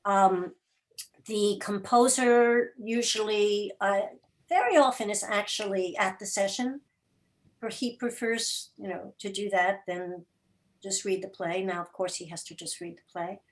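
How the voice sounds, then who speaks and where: A woman speaking as an interview guest, explaining her production work informally in a halting, thoughtful way with searching pauses. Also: medium pitch, poor audio. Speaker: interview guest, radio program and podcast producer. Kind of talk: informal spoken explanation at an online gathering.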